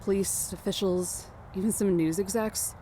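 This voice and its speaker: A woman plays a weary, protective young leader of fugitives in an audio drama, her medium-pitched voice warm, steady and moderately paced. Lightly acted, her delivery is subdued, serious and resigned, set against a noisy outdoor ambience.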